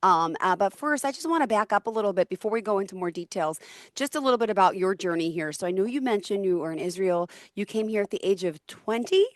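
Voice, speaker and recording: A bubbly woman hosts a podcast interview, gushing over her guest with leaps in her voice. She speaks at an average pitch for a woman. The recording is dry and close. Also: lively intonation, fast, no room sound. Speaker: podcast host. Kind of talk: interview hosting.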